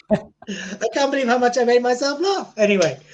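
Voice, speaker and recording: Playful, teasing podcast host. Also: male voice, very high-pitched, animated, measured pace. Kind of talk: casual podcast chat.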